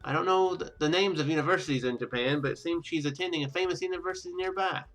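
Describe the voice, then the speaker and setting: Hosting a gaming video, a man reads a visual novel aloud with casual commentary, stumbling over lines and correcting himself. His voice is fairly high, a bit bright, and he talks fast. Faint music plays in the background.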